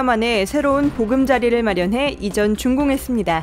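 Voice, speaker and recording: A woman's high, lively voice at a moderate pace over music in the background. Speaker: news reporter. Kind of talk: regional government news report.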